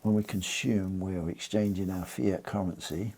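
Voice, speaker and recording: British guy rambling on about his stacking, deep husky mellow voice. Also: steady tone, normal speed. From United Kingdom. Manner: rambling, restarts and fillers, informal. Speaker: precious metals channel host. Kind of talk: casual chat to camera.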